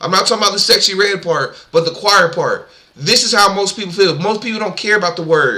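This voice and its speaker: A man's raised, projected voice sits at a high pitch with an animated tone. Noticeable background noise runs beneath him. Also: fairly quick pace. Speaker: online religious teacher. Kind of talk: religious teaching monologue. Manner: loud.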